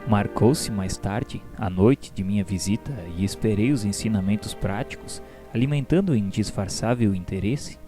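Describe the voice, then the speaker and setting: Guy playing a earnest brazilian man telling his story in a radio drama, formal n measured, lowish mellow voice. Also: close to an everyday voice. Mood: earnest, reverent. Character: André, earnest, curious male spirit narrator and pupil. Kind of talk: scripted radio drama narration. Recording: music behind the voice.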